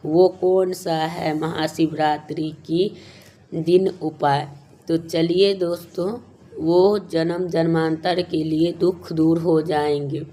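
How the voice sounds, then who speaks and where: Slow-talking, low-pitched woman giving devotional advice. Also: flat delivery, dark tone. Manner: repetitive, halting, addressing viewers as friends. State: slightly hoarse morning throat. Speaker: YouTube channel host. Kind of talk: devotional advice talk to viewers.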